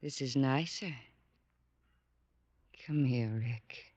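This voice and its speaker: Helen Asher, tender radio sweetheart, muffled. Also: female voice, very deep voice, very slow, darkish tone, no room sound, full character voice. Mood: tender, flirtatious. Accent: American. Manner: soothing, coy. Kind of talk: 1940s radio acting. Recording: muffled 1940s radio recording, music behind.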